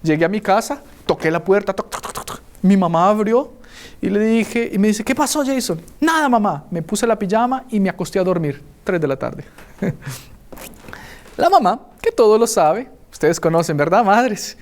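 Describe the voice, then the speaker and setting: Man from Colombia, preacher, sermon storytelling, animated, acts out voices. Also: high-pitched, moderate pace.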